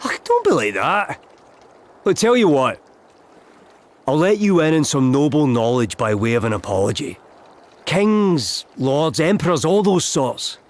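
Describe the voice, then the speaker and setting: An actor with a Scottish accent playing a breezy, boastful noble-born traveller in a video game, chummy and bluff. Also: male voice, a little high, big pitch swings, unhurried. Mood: confiding.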